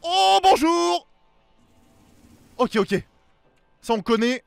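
A young man giving excited let's play commentary, exclaiming and talking to himself as he reacts. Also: very high-pitched, drawn-out words, vocal fry, no room sound, soft background music. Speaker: gaming video host.

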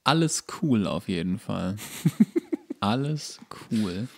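A man's voice: lowish voice, expressive, slow pace, creaky, darkish tone. A man co-hosting a podcast in casual comedic banter, with dry, offhand jokes. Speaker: podcast co-host.

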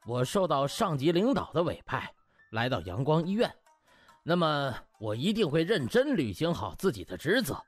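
A man's voice: a little high, dry recording. A man voicing a pompous, icily self-controlled hospital deputy director in an audiobook, stiff and officious. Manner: stiff, officious, throat-clearing.

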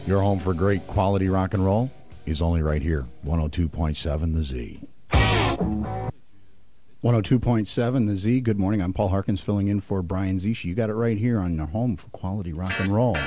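A man's voice: sits low, a little fast, over music. An American man working as a radio DJ, delivering rock station patter between songs from a studio.

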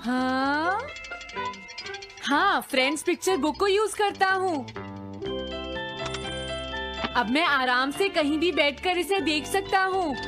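A woman's voice: sits high, a little slow. A woman voicing a hapless, dreamy young schoolboy with a childlike manner in a cartoon dub. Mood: pleased, musing. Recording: loud music behind the voice.

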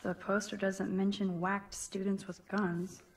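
A woman's voice: medium pitch, level tone, a little slow, natural voice. A young woman voicing an observant teenage student in a video game, with dry, wry musings.

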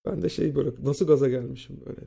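A young man casually telling a school story, animated and profane, acting out what people said. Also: medium pitch, racing, vocal fry, slightly rough. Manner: animated, profane, acts out quotes. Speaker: streamer.

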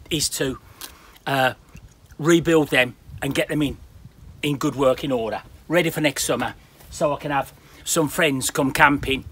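A man's voice: fairly high pitch, fairly bright tone, slightly rough. A man from the UK chatting bluntly and rambling to a handheld camera outdoors in his garden. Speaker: smallholder vlogger. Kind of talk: casual chat to camera.

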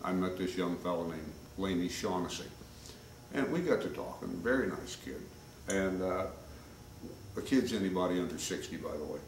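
A man's voice: sits low, normal speed. An older man giving a casual, folksy workshop demonstration, talking loosely with plenty of fillers while he works. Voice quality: folksy, rambling with many fillers. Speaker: woodworking instructor. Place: home workshop, indoors. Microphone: camcorder mic at a distance. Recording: roomy workshop sound, distant mic, clear background noise.

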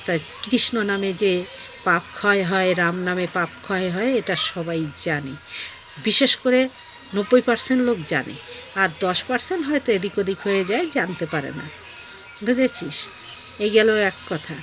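A woman, talking to her viewers in a vlog. She gives a sharp, preachy rebuke and mixes in devotional chants. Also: medium pitch, normal speed, faint music behind. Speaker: online vlogger. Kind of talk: scolding video monologue.

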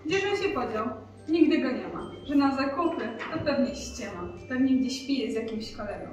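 A woman's voice: high voice, expressive, normal speed. A young woman playing a nagging, worn-out mother in a school nativity play, scolding in rhymed verse. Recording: echoey hall from far off, music.

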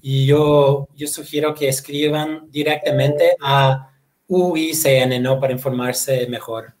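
A man's voice: mid-range voice, steady tone, takes it slowly, darkish tone, poor audio. Hesitant man answering on a video call. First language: Portuguese. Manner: hesitant, repeats words, frequent tag questions. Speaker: guest presenter. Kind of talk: webinar Q&A answers. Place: home room, indoors.

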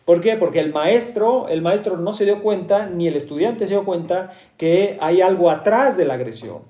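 A man with a Mexican Spanish accent teaches meditation to his listeners, asking rhetorical questions and rephrasing each point several times. His voice sits high and has a mellow, dark tone. The room around him is echoey. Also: expressive, moderate pace. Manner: repeats and rephrases key points. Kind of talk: explanatory talk to listeners.

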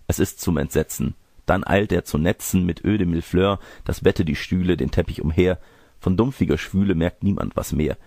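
A man narrating a fairy tale in an expressive, scripted storybook style. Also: low voice, moderate pace, gravelly, no echo, studio quality. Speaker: audiobook narrator.

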